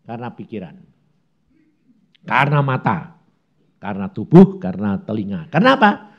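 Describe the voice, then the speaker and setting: A man's voice: on the low side, big pitch swings, dull audio. A man preaching a conversational sermon, asking rhetorical questions and acting out little prayers and objections. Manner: acts out prayers and objections in quick asides.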